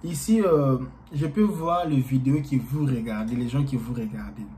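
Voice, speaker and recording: A man whose first language is Portuguese talks casually to his viewers as a YouTuber, rambling and halting with lots of fillers. His voice is medium-pitched with a dark tone, and there is slight background noise.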